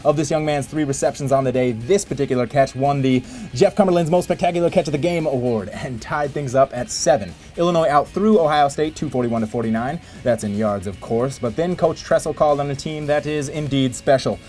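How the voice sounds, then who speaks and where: A man reading a scripted sports highlights voice-over in a playful, wry manner with theatrical emphasis. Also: darkish tone. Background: music bed.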